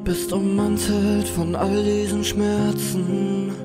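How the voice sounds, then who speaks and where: A woman singing a slow, tender, consoling ballad over music. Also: mid-range voice, flat delivery.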